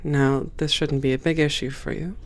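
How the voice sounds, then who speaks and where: A performer playing a friendly, composed female hangar supervisor in an ASMR roleplay, speaking in a measured, welcoming and professional way. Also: mid-range voice, flat delivery, natural voice. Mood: reassuring, instructive. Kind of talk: ASMR roleplay, one-sided conversation.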